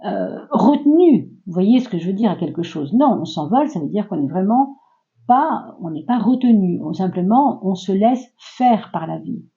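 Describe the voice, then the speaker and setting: A woman reads tarot for her audience in a relaxed, reassuring way, full of small fillers and asides. Her voice is very mellow and warm. The recording sounds a little dull and lo-fi. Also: mid-range voice, normal speed. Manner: chatty, reassuring, many fillers and "hein". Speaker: tarot reader. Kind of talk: casual tarot reading for viewers.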